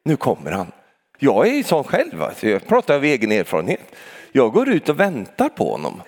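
Older male preacher, lively chatty sermon. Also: medium pitch. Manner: chatty, keeps adding questioning tags for agreement, laughs easily. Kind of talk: conversational sermon. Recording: long hall reverb.

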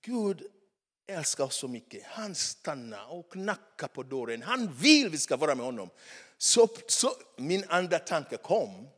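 Male preacher, second-language speaker, halting and animated, slightly high voice, long hall reverb. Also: slightly rough. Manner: halting, repeats words, animated. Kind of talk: sermon.

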